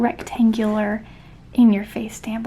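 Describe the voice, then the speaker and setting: Against noticeable background noise, a soft-spoken woman with a slight Southern US accent talks at a very slow pace in a calm tone. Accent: light Southern US. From Georgia, US South. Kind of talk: ASMR show-and-tell. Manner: soft-spoken, calm.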